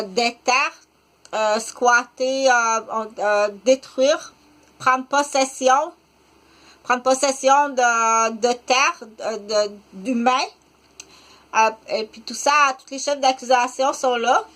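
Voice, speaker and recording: Woman, 50s, Québécois accent, unscripted vlog monologue, halting and rambling, slightly high voice. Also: steady tone, pushed and bright. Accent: Québécois French. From Quebec, Canada. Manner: rambling, halting, many "euh" fillers and restarts. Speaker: vlogger.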